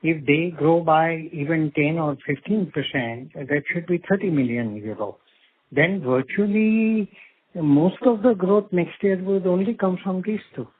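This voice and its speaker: A man with an Indian accent asking questions on a business conference call in a halting, methodical way, as an investor or analyst. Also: a little high. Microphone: phone conference call. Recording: narrow, tinny phone line.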